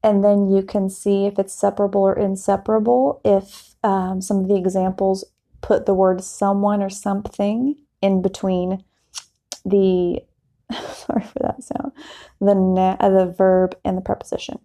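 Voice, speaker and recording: A woman speaks in a patient teacher voice with a soft-edged, mellow tone and noticeable vocal fry. Her pitch sits in a middle range as she explains language points in simple, reassuring terms, like an unscripted podcast lesson. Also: level tone, normal speed. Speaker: podcast host and English teacher.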